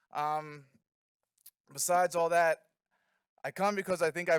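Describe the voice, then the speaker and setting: With a slight New York accent, a man with a fairly high pitch is heard in a dry, close sound with no echo and a very clean recording over a silent background. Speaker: peer recovery coach, applicant for board. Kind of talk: public testimony at committee meeting. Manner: halting, many fillers.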